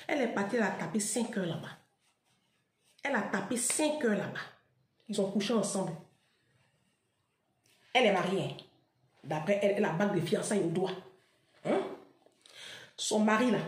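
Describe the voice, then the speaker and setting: A woman with an Ivorian French accent telling a story in an animated monologue, emphatic and chatty, laughing often and peppering her talk with "là" and "hein". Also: mid-range voice, reverberant. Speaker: online commentator.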